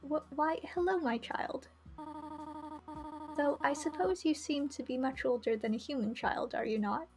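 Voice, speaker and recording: A woman voicing a gentle, motherly, towering goat monster lady in a game, polite and formal. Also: high voice, moderate pace, music in the background. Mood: gentle, surprised.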